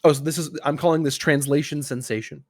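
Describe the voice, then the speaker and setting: A man's voice: a little high, steady tone, quick pace, a little mellow, no echo, studio quality. A man hosting a casual gaming podcast, explaining a quiz in an informal, conversational way. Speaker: podcast host.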